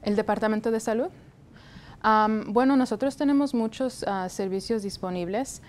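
A young woman from the United States, a health department guest in a studio interview, speaking in a measured way with many hesitation fillers, on a lapel mic. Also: a little high, a little mellow. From United States (Texas, raised in Florida). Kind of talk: interview answers. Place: TV studio set.

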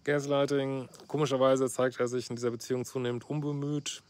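A man's voice: mid-range voice, flat delivery, quick pace, a little mellow. A middle-aged man, a couples therapist, reading out a viewer's letter and commenting on it bluntly and sarcastically. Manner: blunt, sarcastic, frequent "ne?" tags and fillers. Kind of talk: casual reaction vlog, reading out and commenting.

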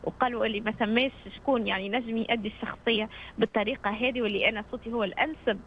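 A woman's voice: fairly high pitch, fairly even intonation, racing. A nineteen-year-old woman with a Tunisian accent speaks casually and hesitantly as a guest on a radio phone-in. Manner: hesitant, searching for words. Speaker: phone-in guest, amateur voice actor. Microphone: phone call. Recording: dull phone line with noise.

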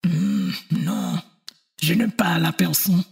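Tough elderly woman, very raspy, creaky, French Caribbean accent, clipped broken English, audio drama. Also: fairly low pitch, measured pace, a little mellow, heavily acted. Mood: calm, dismissive.

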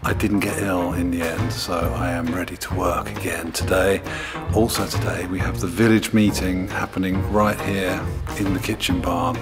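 Inside a large barn he's converting into a recording studio, a middle-aged man speaks casually and understatedly to a handheld camera held at arm's length for his video diary. His voice is deep and flat, at normal speed, with music in the background.

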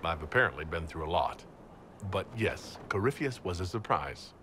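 Low-voiced, resolute horned leader. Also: male voice, measured pace, slight background noise. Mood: serious. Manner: serious, steady, plain-spoken. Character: resolute, stern, large horned male warrior leader. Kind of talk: fantasy video game acting.

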